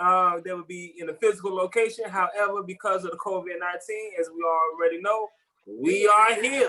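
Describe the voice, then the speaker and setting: Using a raised, projected voice, a high-pitched man talks at a fairly quick pace with fairly even intonation and big swings in loudness. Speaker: poetry show host. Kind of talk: live show hosting. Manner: casual, hype.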